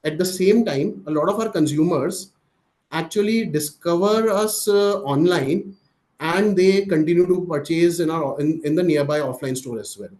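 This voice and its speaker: An Indian man presents as a company executive on an earnings call. His voice sits a little high for a man, and he explains things step by step, with pauses in the middle of sentences. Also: a little mellow, rough recording.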